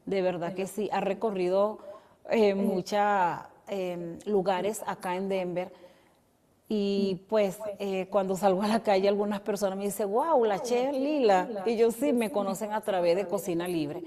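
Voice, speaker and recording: Woman chef, mellow tone, grateful, reverberant hall sound. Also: mid-range voice, fairly even intonation, measured pace. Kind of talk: documentary interview.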